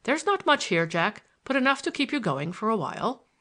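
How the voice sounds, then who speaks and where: Woman voicing an animated, teasing old grandfather. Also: fairly high pitch, normal speed. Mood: proud, triumphant. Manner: grandly courteous, teasing, theatrical. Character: genial, sly old grandfather, relishing his surprise. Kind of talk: audiobook character dialogue.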